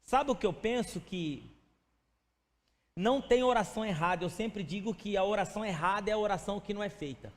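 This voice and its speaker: A man's voice: sits high, fairly quick. A male pastor preaching a sermon in a conversational way, speaking to the congregation by name and acting out little stories. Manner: acts out stories with quoted voices. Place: church sanctuary. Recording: long church hall reverb.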